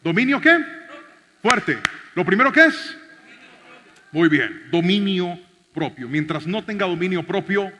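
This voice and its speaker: High, bright-voiced preaching man. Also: expressive, a little slow, long pauses, slight background noise. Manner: dramatic, swings from shouting to hushed. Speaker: pastor. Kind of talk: storytelling sermon. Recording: reverberant hall.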